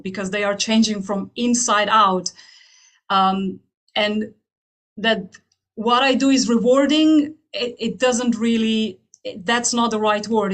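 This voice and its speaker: A woman's voice: mid-range voice, fairly bright tone. A woman from Slovenia with a Slovenian accent, giving a personal testimonial as a therapist in an earnest, emphatic way, often repeating phrases. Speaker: hypnotherapist speaking at an open house. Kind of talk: personal testimonial to an online audience.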